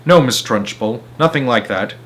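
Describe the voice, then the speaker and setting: A man's voice: mid-range voice, animated, moderate pace, a bit bright, lightly acted. A man voicing a polite, earnest woman schoolteacher who pleads her case in a children's storybook reading. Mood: timid. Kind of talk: children's storybook read-aloud.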